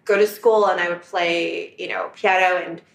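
A woman from China speaks as an interview guest, thoughtful and conversational as she tells her story. Her voice sits a little low. The apartment around her gives the sound a roomy echo. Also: steady tone, normal speed, gravelly. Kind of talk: casual conversation. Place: apartment in New York.

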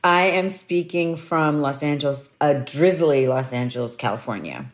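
A woman with a low-pitched voice hosting a relaxed conversation. She asks about her guest's life and answers with candid personal stories. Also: moderate pace. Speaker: podcast host. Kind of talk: casual conversational interview.

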